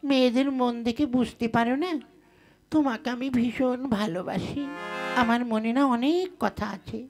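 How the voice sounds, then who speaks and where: A woman's voice: fairly high pitch, normal speed, music in the background, close to an everyday voice. A woman playing a sly married village woman in a folk puppet comedy, coy and coaxing but bossy. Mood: coy, flirting. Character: sly married village sister-in-law, coyly flirting and scheming.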